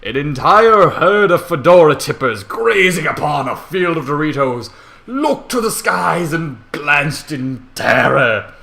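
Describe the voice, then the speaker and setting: Animated, bright-voiced man reading a comic story. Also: a little high, measured pace, creaky. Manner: theatrical, irreverent, sweary, with joking asides. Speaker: amateur fan fiction reader. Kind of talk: animated comedic story narration.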